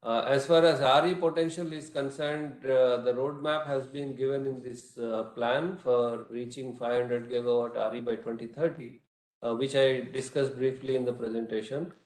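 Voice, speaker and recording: Halting Indian man in an echoey room. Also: medium pitch, little pitch movement, a little mellow. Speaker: company executive answering analysts. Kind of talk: earnings call question-and-answer.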